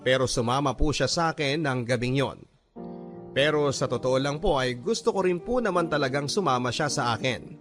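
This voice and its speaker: A man's voice: medium pitch, normal speed, fairly bright tone, faint music behind. A man narrating a scripted first-person letter as a storyteller in a radio romance drama.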